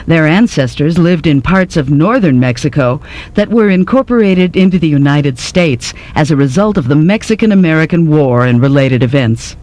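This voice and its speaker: A man narrates an educational lecture from a script. His voice sits somewhat high for a male speaker, and his delivery is that of prepared instruction. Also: lively intonation, normal speed, hardly any pauses, darkish tone.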